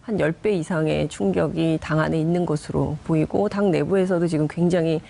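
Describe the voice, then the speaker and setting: Woman commentator with a slightly low voice. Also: fairly even intonation, fairly quick, creaky, mellow. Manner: explanatory, long chained sentences. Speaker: panel commentator. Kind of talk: political news analysis in conversation.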